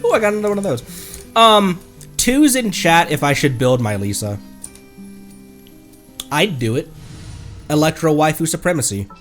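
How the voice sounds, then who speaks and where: A man's voice: a little high, sing-song, normal speed, long pauses, fairly bright tone, faint music behind. A man giving casual, rambling live game commentary and chatting playfully with viewers. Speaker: game streamer, VTuber.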